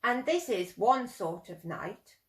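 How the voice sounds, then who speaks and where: A woman voicing a gentle, inviting big black cat in a children's storybook reading. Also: a little high, big pitch swings, slow pace. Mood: gentle, coaxing. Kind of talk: children's storybook read-aloud. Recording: roomy echo.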